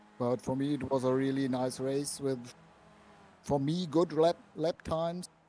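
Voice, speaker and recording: A man talks at medium pitch in a dark, mellow tone. His intonation is fairly even. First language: not English. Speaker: sim racing driver. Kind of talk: post-race interview. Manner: halting.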